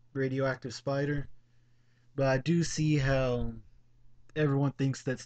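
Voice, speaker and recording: A man at a fairly slow pace. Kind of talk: casual movie review to camera. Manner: hesitant, stuttering.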